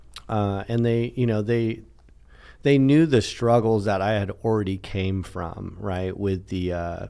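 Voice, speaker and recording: A man talks with a Californian accent in a dark, mellow tone and fairly even intonation. The recording is very clean, with a silent background. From San Francisco Bay Area, California. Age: 30s. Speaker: realtor. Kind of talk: interview, personal life story. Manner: halting, many fillers.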